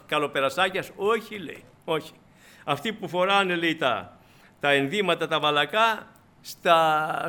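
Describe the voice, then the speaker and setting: A man preaching a sermon to a congregation, expressive and rising to emphatic peaks. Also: a little high.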